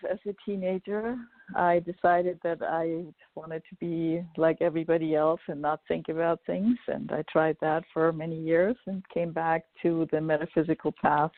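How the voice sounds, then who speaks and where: A woman's voice: deep voice, no room sound. Woman from Germany on a phone-like call. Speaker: guest. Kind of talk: casual interview talk. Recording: dry, phone-like call audio.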